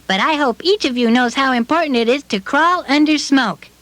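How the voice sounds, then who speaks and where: A woman's voice: sits high, normal speed, close to an everyday voice. A woman voicing Stan, a cheerful male puppet who sniffs for smoke and reassures children in a fire-safety puppet show. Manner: friendly, reassuring, talks straight to children.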